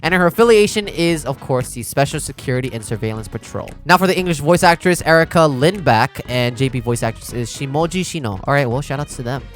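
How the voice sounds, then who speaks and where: A man giving casual reaction commentary on a game trailer, excitable, with frequent exclamations and laughs. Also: medium pitch, fast talker, hardly any pauses, soft background music.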